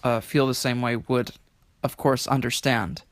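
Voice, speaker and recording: A man speaking as an interview guest, reflective and halting, repeating words and choosing slightly formal phrases. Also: medium pitch, level tone, no echo.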